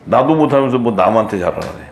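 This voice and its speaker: A man's voice: fairly low pitch, quick pace, vocal fry, a little hiss or hum. Guy preaching casually, super chatty, room echo all over it. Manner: chatty, animated, acts out quotes in a raised voice. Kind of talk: conversational sermon seminar.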